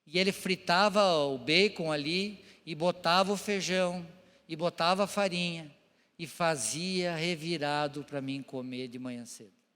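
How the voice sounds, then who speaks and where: Middle-aged male pastor, high voice, emotional halting testimony sermon, long hall reverb. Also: fairly bright tone. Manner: emotional, halting, addresses the congregation directly. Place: church hall.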